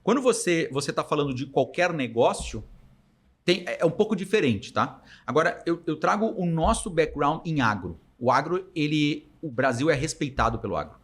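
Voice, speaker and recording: A man's voice: a little high, big pitch swings, moderate pace, breathy edge. A man with a southern Brazilian accent chatting casually as a podcast guest, slangy and anecdotal, acting out bits of imagined dialogue. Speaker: podcast guest, startup founder. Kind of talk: casual interview talk.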